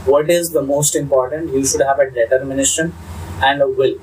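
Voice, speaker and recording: Indian man telling his story, halting. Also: mid-range voice, little pitch movement, darkish tone. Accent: Indian English. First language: Hindi. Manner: halting, many fillers and restarts. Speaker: channel host. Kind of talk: unscripted personal story. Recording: distant mic with faint ambient noise.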